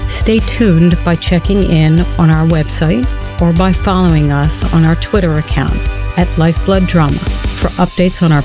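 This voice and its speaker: A woman narrator reading scripted closing credits and announcements for an audio drama series. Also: lowish voice.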